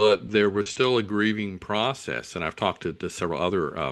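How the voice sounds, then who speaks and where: Against a quiet background, a man speaks at a fairly quick pace in a bright, sharp tone with vocal fry. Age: 60s. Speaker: podcast co-host and author. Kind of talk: casual chat. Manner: halting, many fillers and repetitions.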